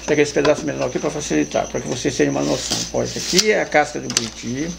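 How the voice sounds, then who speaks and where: A man explains a craft step by step in a casual storytelling way. His voice sits high and is deeply gravelly. Steady background noise runs under the recording. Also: rapid-fire. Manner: lively storyteller acting out dialogue. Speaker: folk singer and craftsman.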